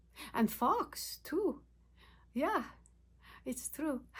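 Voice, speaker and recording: A woman speaks with a Polish accent. Her pace is very slow. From Poland. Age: 60s. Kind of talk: personal memories interview.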